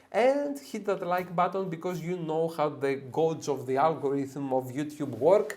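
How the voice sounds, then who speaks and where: A man with a Greek accent talks at a moderate pace. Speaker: photo editing tutor. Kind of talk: tutorial.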